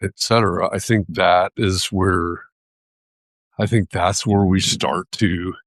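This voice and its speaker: Hosting a live video, an American man with a very low voice shares reflective, casual thoughts, pausing and restarting as he hunts for the right words. His intonation is fairly even, and the sound is close and dry without room echo.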